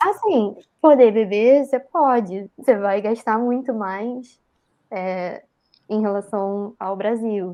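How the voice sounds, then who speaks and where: The speaker has a Rio de Janeiro accent and talks at a very slow pace. Pitch variation is ordinary. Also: woman. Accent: Brazilian Portuguese, carioca (Rio). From Brazil, Rio de Janeiro. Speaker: researcher. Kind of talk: live interview.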